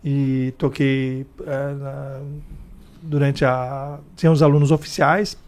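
A man in a casual chat, telling stories from his past and acting out other people's voices with big jumps in pitch. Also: flat delivery, takes it slowly, a little mellow.

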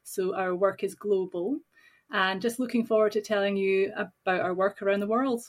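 A woman's voice: medium pitch, steady tone, moderate pace. A woman from Scotland with a Scottish accent, answering as an interview guest in a friendly way.

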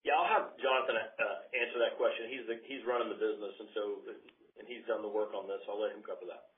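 Low-voiced male executive, phone-line sound. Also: fairly even intonation, a little hiss or hum. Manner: halting, repeats words. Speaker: company executive. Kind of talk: earnings call Q&A answers. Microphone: conference call line. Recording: muffled phone-band conference call.

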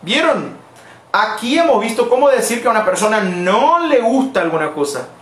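A man's voice: high voice, sing-song, moderate pace, fairly bright tone, echoey room. A Brazilian man whose first language is Portuguese, hosting a playful live-stream language lesson and switching between languages.

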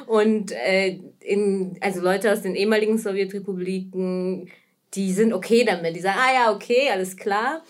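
A woman in her thirties from Kazakhstan, a native Russian speaker, talks in German with a Russian accent in a casual interview as a guest. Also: mid-range voice. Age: 30s. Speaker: podcast guest, anti-racism activist and trainer.

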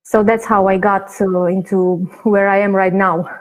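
A woman's voice: medium pitch, flat delivery, moderate pace, rough recording. Hesitant woman. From Romania. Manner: hesitant, many fillers and restarts. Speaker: guest, patient advocate. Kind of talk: interview answer.

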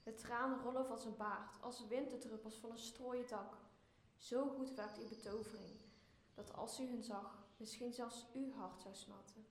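A student actress playing an obedient, gentle airy spirit longing for freedom, speaking lyrically in a Shakespearean radio play. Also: female voice, a little high, steady tone, measured pace, roomy sound, slight background noise. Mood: compassionate. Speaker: student actor.

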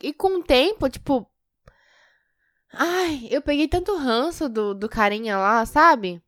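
A woman with a Brazilian accent co-hosting a podcast, talking in an expressive, dramatic way and swearing often. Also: high voice, slow pace, no room sound, clean studio sound. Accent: Brazilian Portuguese. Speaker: podcast co-host. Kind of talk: casual chat.

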